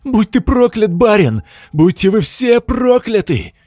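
A man voicing a desperate male henchman who shouts curses hysterically. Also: high-pitched, animated, unhurried, no echo, studio quality, voice pushed up. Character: defiant, desperate male henchman facing execution.

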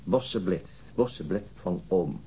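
An actor playing a dogged, troubled police detective in a naturalistic radio drama, husky and deliberate, sometimes halting. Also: male voice, low-pitched, expressive, warm tone, a little hiss or hum, poor audio. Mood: troubled, pensive. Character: dogged, troubled male police detective recounting his inquiry.

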